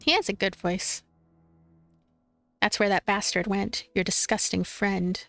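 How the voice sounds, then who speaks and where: A woman reading a visual novel aloud as a let's play streamer, expressive and playful, with commentary. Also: medium pitch, unhurried, creaky. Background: game music.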